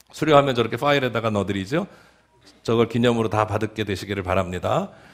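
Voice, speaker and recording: Fairly quick speech from a man, medium in pitch. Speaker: pastor teaching Bible study. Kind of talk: Bible study lecture. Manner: fast.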